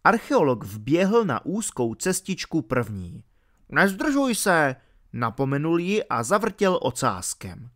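A man narrating an audiobook in a lively, expressive way. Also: mid-range voice, hardly any pauses.

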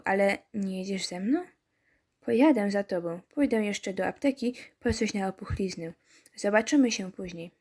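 A woman reads a story game aloud in a mid-pitched voice. She keeps stopping to add wry, chatty comments for her viewers, in the easy tone of a let's-play. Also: darkish tone.

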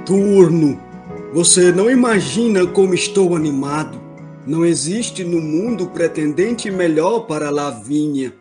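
Man as grandiose Brazilian king, audio drama. Slow delivery, fairly high male voice, music behind. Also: animated. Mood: pleased, solemn. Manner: stately, grandiose. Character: pompous aging king, eager father of the bride. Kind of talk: comedic audio drama acting.

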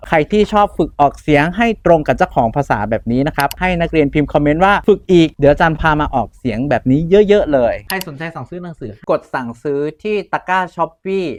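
A middle-aged man teaching English pronunciation in a short video lesson, drawing out model words slowly for students to repeat. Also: on the high side, expressive, slight background noise. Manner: slow, drawn-out model pronunciations for the class to repeat.

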